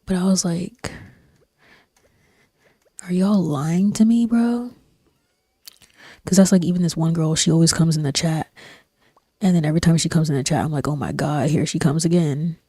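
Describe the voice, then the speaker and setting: A young woman streamer chatting casually while she plays, in a soft-spoken, breathy, near-whispered voice that rambles with lots of fillers. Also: sits low, moderate pace, long pauses, no echo, studio quality. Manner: rambling, relaxed, frequent fillers and slang. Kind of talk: casual chat while gaming. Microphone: desk microphone.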